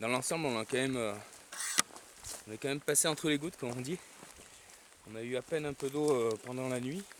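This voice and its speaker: A man speaks at a medium pitch and a moderate pace with ordinary pitch variation. Noticeable background noise runs behind him. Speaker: bushcraft YouTuber. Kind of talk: outdoor vlog narration. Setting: outdoors in forest. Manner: soft-spoken.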